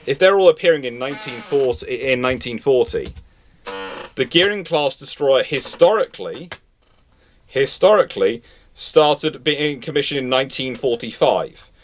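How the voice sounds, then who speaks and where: Man, panel host, off-the-cuff explanation, emphatic repetition, dry sound, mid pitch. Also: dry recording. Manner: emphatic, repeats and rephrases phrases for stress. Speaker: host of a live naval history question panel. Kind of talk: off-the-cuff expert commentary in a live discussion.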